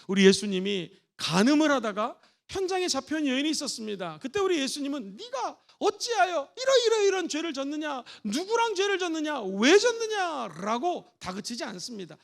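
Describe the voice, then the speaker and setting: A male pastor delivers a Sunday sermon in a church, his voice pitched high. He swings his pitch widely and animatedly, putting on quoted voices of spouses and parents as he preaches. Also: creaky. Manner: acts out quoted family voices with big pitch jumps. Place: church sanctuary.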